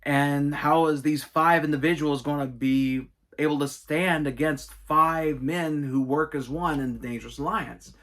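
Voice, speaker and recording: A middle-aged man hosting a casual Q&A video, telling stories with enthusiastic, animated asides. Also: on the high side, unhurried. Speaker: gaming and wrestling channel host. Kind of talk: casual Q&A monologue.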